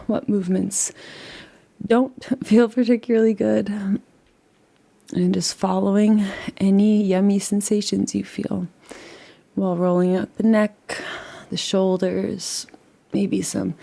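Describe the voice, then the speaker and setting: A woman leading a guided relaxation meditation in a soothing, unhurried, gently instructive way. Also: medium pitch, vocal fry.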